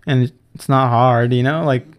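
A man's voice: medium pitch, steady tone, a little slow. A man around twenty hosting a solo podcast, talking in a rambling, profane way, often correcting himself and laughing. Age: 20s. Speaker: podcast host. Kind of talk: casual solo podcast monologue.

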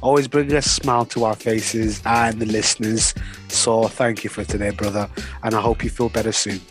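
A man whose first language is not English, co-hosting a sports podcast over a video call, excitable and joking, with many fillers. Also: on the low side, normal speed, soft background music. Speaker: podcast co-host. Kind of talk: casual sports chat.

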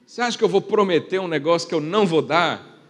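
Pastor preaching in a reverberant hall. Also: male voice, on the high side, expressive, quick pace. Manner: preaching with rhetorical questions and big swings in loudness. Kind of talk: sermon. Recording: long reverb of a church hall.

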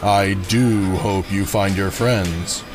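Casting: male actor as deep-voiced carnival master, unhurried, ominous, slyly polite, audio drama with music underneath. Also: steady tone. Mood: ominous, musing. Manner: slow, ominous, poetic, menacingly polite. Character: sinister, knowing carnival showman, smooth and philosophical. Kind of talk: dark audio drama acting.

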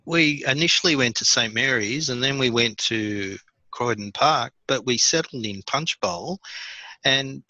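Man, fifties, Australian accent, guest storyteller, easygoing with fillers, bright tone, dry close sound. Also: medium pitch, measured pace, no room sound, muffled recording. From born in India, raised in Sydney, Australia. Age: 50s. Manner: relaxed, many fillers and restarts. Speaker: podcast guest. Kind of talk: conversational storytelling.

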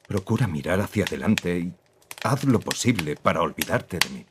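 A man playing an unrepentant, disgraced old teacher in a radio drama. He speaks in a calm, measured and cold way. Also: low voice, noisy background. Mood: cold, resigned. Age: older.

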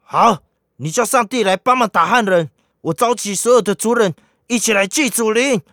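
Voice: medium pitch, normal speed, a bit bright, no echo, clean studio sound, close to an everyday voice. Fierce tribal leader, played by an actor, commanding. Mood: alarmed, resolute. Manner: blunt, commanding. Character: fierce vengeful tribal leader defending the homeland. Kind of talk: radio drama acting.

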